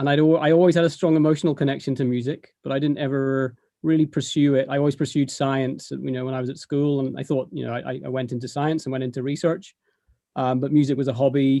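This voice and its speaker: A man with a British accent speaks at a very fast pace. His fairly high-pitched voice stays monotone and flat. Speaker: electronic musician. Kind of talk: interview.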